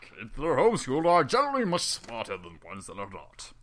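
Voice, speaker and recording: A man's voice: mid-range voice, huge pitch swings, a little fast, crowd noise. A man hosting a fan-fiction reading, chatting in a casual, joking way and swearing freely. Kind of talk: casual banter.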